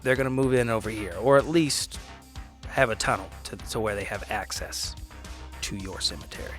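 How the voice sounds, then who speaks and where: A man playing a tabletop roleplaying game, improvising persuasive speeches in a casual, halting way. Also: fairly low pitch, fairly bright tone, soft background music. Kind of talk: improvised in-character negotiation and table talk.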